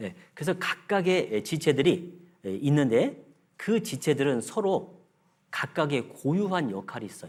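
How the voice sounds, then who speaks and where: A man speaks at a fairly slow pace with a fairly high pitch and vocal fry. His pitch swings very widely, and the recording is very clean with a silent background. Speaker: pastor. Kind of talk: sermon.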